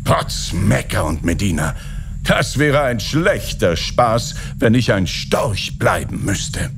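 A man's voice: on the low side, takes it slowly, creaky, background noise, exaggerated voice. A man doing a jovial caliph turned stork. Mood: merry. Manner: lively, exclaiming.

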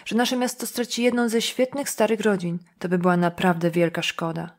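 A woman voicing a loud, mocking small-town man who drawls and needles with taunting jokes, pitched up and pushed hard. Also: level tone, fairly quick. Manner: drawling, taunting, repeats himself with laughs.

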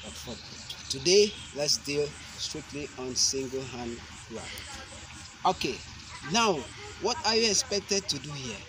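A young man demonstrating self-defense moves, explaining each step slowly and deliberately, with sharp shouted cries on the strikes. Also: fairly high pitch, animated. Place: outdoor concrete court. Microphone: camera mic at a distance. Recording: outdoor noise from a camera mic.

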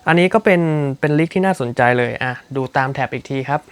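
A man's voice: fairly high pitch, quick pace. A man teaching a rock guitar solo lick, explaining technique politely with frequent fillers. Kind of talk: casual instructional talk. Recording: guitar playing behind the voice. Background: loud electric guitar music.

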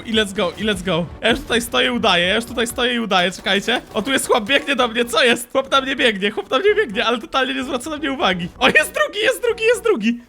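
A young man giving excited gameplay commentary as a streamer, jumpy and quick to laugh. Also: high voice. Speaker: gaming streamer.

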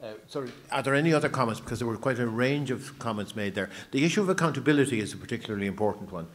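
A man acting as facilitator at a public convention, briskly organizing the next comments. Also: mid-range voice, lively intonation. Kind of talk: chairing a discussion.

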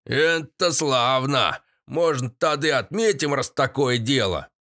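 A man's voice: medium pitch, expressive, takes it slowly, bright, forceful tone, full character voice. A man voicing a folksy old villager with rustic, homespun speech in an audiobook.

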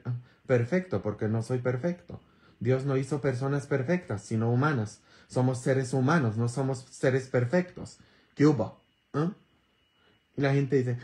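A man, a Catholic priest giving an informal sermon with earthy humor, constant tag questions and sudden loud emphatic bursts. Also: medium pitch.

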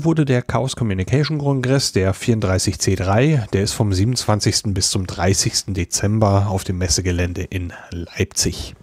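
A man's voice: lowish voice, a little mellow, slightly rough, no echo, studio quality. A man co-hosting a podcast, reading out announcements in an informal, orderly way. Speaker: podcast co-host presenting event calendar.

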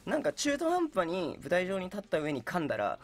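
Quick, animated man with touches. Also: high voice, vocal fry. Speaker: radio show guest, stage actor. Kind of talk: casual chat. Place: small radio studio. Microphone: studio boom microphone.

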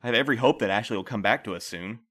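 A man playing a calm, patient middle-aged postmaster who interviews new couriers, speaking gently and in a measured way. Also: on the low side. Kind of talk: audio drama acting.

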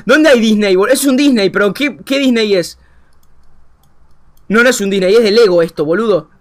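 A young man with an Argentine Spanish accent, commentating a game as a streamer, thinking aloud and swinging between quiet muttering and excited outbursts. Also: high-pitched, normal speed. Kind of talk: gameplay commentary.

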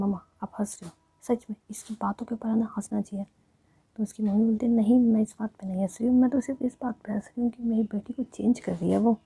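A young woman telling a love story as whispered role-play, narrating and voicing each character herself in soft whispers. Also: mid-range voice, husky, no echo.

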